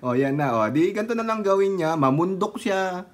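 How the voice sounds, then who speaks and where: A man with a Filipino accent and a high, expressive voice talks at normal speed. He runs a political commentary vlog full of sarcastic, casual remarks, laughing a lot and singing bits of songs along the way.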